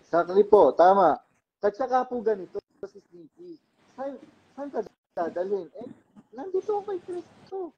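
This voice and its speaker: A host comes through in dull, lo-fi audio, his voice gravelly and mellow. He mostly backs up his guest with quick agreement and short questions. His pitch moves a lot between lines. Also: very animated. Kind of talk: interview.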